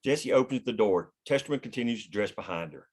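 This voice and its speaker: A man's voice: lowish voice, lively intonation, a little fast, slightly rough. A man reading scripted screenplay stage directions as the narrator of a table read.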